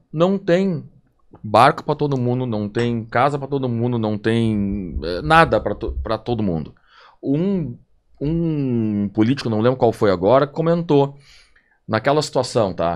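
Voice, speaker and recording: Speaking at a fairly slow pace, a man with medium pitch uses lively intonation against a quiet background. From Rio Grande do Sul, Brazil. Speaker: podcast co-host. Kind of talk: casual chat. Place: studio. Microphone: studio mic.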